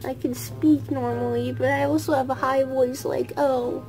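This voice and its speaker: A woman's voice: high-pitched, level tone, moderate pace, creaky, over music, low-quality recording. A woman voicing a young boy stuck in a little girl's body, whiny and panicky. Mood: puzzled.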